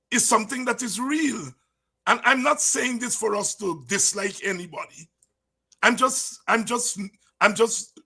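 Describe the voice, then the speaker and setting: A middle-aged Guyanese man speaks in a high, sharp voice with a gravelly edge. He talks informally but with passion, like a seasoned political commentator, hammering his points through repetition. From Guyana, from the countryside. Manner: emphatic, repeats words and phrases, swings from low asides to shouts. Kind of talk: impassioned informal talk with anecdotes.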